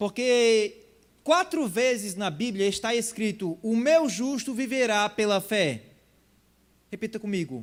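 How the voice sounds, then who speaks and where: Very slowly delivered, the words carry lively intonation. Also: man. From Ceará, Brazilian Northeast. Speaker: preacher. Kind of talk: sermon. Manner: deliberately slowed pace.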